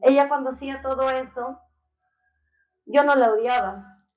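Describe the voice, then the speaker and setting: A woman's voice: sits high, steady tone, moderate pace, a little mellow. Tearful young woman giving testimony, echoey hall. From Peru. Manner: earnest, tearful, addresses listeners as brothers. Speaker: church member giving testimony. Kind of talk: emotional testimony to a congregation.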